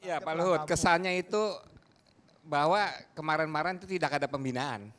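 A man's voice: fairly high pitch, brisk, a bit bright. A man speaking as a talk show panelist, arguing insistently and backing each point with figures. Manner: argumentative, presses points with figures.

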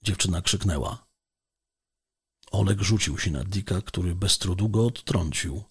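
Mężczyzna czytający powieść jako lektor audiobooka, miarowo i spokojnie. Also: male voice, low voice, measured pace, vocal fry, husky. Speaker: audiobook narrator. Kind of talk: scripted narration of a novel.

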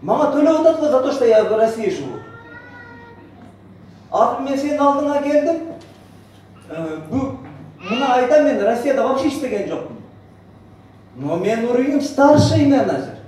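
A man's voice: very high-pitched, very animated, normal speed, pauses often, a little mellow. A middle-aged man with a Central Asian accent giving an emphatic, boastful motivational presentation full of rhetorical questions. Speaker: network marketing speaker, senior manager. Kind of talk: motivational presentation, mixing two languages. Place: on stage in a large hotel banquet hall. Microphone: far camera in the audience area. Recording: echoey hotel hall, distant, noisy.

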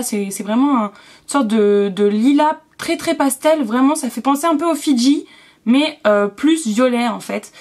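A woman's voice: sits high, darkish tone. Chatty young woman vlogger. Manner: chatty, filler-heavy, quick asides. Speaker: beauty vlogger. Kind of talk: casual haul chat.

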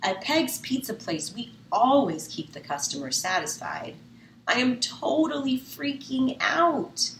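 An American woman reading a storybook as an excitable, anxious little girl, exclaiming emphatically. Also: high voice, unhurried, pitched above the performer's own voice, exaggerated voice. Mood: flustered. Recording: roomy, faint background noise.

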